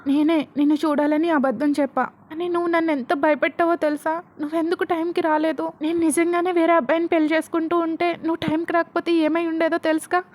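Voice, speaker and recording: A woman's voice: high voice, fairly even intonation, a little fast, mellow, lightly acted. A woman voicing a fiery young woman who scolds her lover, calling him an idiot, in a Telugu audio story. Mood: tearful scolding.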